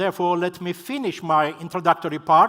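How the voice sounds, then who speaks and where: This man has a Georgian accent and a high pitch. He speaks at a moderate pace with ordinary pitch variation. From Georgia, Tbilisi. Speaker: NGO representative and event moderator. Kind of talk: conference opening speech. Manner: formal.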